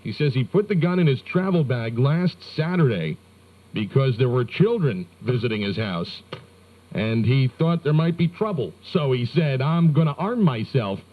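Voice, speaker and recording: Man, American, radio news banter, wry asides, medium pitch, thin narrow-band aircheck. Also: moderate pace. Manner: wry, joking asides between deadpan story reading. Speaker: morning radio host reading news and sports. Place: radio studio.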